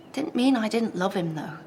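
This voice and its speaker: An actress in a TV drama playing an anxious, suspicious grieving daughter who talks hesitantly and insistently. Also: female voice, medium pitch, slight background noise. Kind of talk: TV drama acting.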